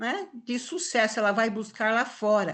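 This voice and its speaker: Against a quiet background, a woman with an ordinary speaking voice talks at a fairly slow pace in a fairly high pitch. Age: 60s. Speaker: professor and lecturer. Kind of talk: lecture.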